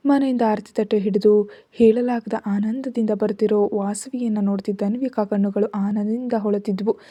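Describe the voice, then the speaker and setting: A woman reading a story aloud as narrator, in a steady, even storytelling manner. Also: medium pitch, normal speed, no echo.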